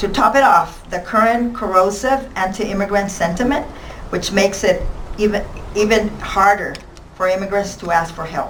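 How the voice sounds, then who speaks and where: At a moderate pace, a woman speaks at medium pitch with ordinary pitch variation, amid audible room echo and noticeable background noise. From California, Mexican migrant farm worker family. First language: Spanish. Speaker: community advocate. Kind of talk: public testimony. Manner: halting, many fillers.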